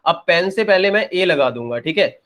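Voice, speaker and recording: Animated and fairly bright in tone, this young man from India speaks in a high voice at normal speed. He's teaching English grammar classroom-style, explaining and checking, with repeated points and self-answered questions.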